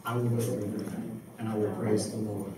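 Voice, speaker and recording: A man's voice: lowish voice, flat delivery, moderate pace, recorded from a distance, noisy background. A man in his forties, a pastor reading scripture and leading prayer at a lectern with a handheld microphone in a church hall. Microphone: handheld mic at a lectern.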